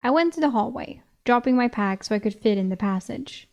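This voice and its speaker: A woman's voice: fairly high pitch, animated, a little fast, darkish tone. Giggly woman reading a novel aloud. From Sweden. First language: Swedish. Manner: giggly, breaks off to laugh and comment. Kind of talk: novel reading with chatty commentary.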